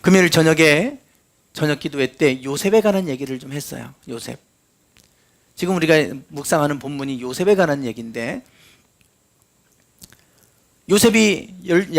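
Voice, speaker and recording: Middle-aged guy pastor preaching, high voice that swings all over, acts out the story bits. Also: gravelly. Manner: storytelling, acting out quoted lines with big pitch swings. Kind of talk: sermon.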